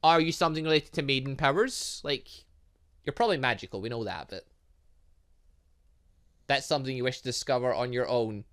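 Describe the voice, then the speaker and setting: A man's voice: mid-range voice, a little fast, long pauses, fairly bright tone. A man hosting a game playthrough, reading dialogue aloud and commenting in a theatrical, exclamatory way. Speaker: gaming video host.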